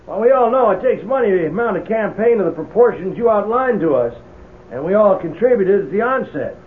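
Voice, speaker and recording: A man's voice: high voice, animated, brisk. An actor playing a nervous, doubting businessman with a hesitant, stammering manner in a 1970s radio drama. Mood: uneasy, doubting. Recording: tinny, noisy 1970s radio recording.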